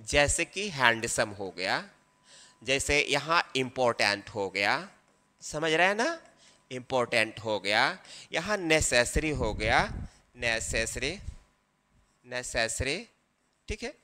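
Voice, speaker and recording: A man's voice: mid-range voice, very animated, slow, pauses often, sharp tone. A man teaching an English grammar lesson. He explains patiently step by step and keeps checking that the listener is following. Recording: long reverb.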